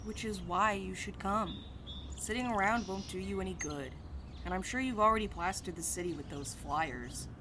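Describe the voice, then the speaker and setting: A woman's voice: medium pitch, moderate pace, noisy background, close to an everyday voice. A woman playing a blunt, bantering mail carrier who is bad with feelings, in an audio drama. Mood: breezy, teasing. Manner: blunt, casual, teasing. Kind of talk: naturalistic audio drama dialogue.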